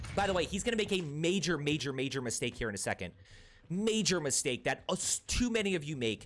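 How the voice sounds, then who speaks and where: A man's fairly high voice with very wide pitch swings, vocal fry, and a very fast pace. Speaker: gaming coach and video creator. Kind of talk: gameplay review commentary. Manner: animated.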